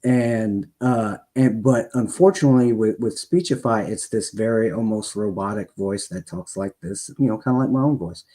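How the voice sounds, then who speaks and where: A man's voice: fairly low pitch, moderate pace, few pauses, warm tone. A man hosting a podcast, talking in a loose, rambling way. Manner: rambling, with many fillers and restarts. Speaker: podcast host. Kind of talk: casual podcast interview.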